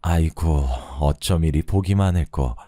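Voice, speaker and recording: A man voicing an old, weary blind woman fortune-teller who sighs and laments slowly. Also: extremely low pitch, mellow, no room sound, studio quality. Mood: lamenting.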